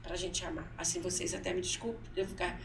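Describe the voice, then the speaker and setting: A woman with a gravelly, creaky voice tells a personal story in an interview, acting out the words of the people in it. She sits a little away from the mic in a roomy studio, with faint background noise. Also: fairly low pitch, little pitch movement, quick pace, recorded from a distance. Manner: storytelling, acts out her son's words, often repeats herself. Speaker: guest, mother. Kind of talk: emotional personal testimony in interview. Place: council studio.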